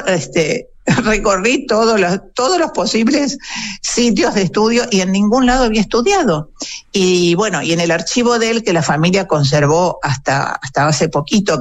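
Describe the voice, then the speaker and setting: An Argentine woman with a Rioplatense accent talks as an interview guest. Her voice is on the low side, and she explains things eagerly, piling on fillers as she goes. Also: expressive, moderate pace, a little hiss or hum. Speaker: guest, landscape historian and author. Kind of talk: conversational interview.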